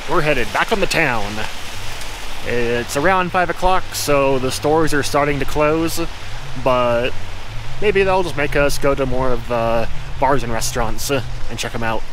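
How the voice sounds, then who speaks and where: A man casually narrating his travel vlog, cooking at his truck camper and then walking around town, in a relaxed, chatty way that often corrects itself mid-sentence. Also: medium pitch, unhurried, background noise. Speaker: travel vlogger.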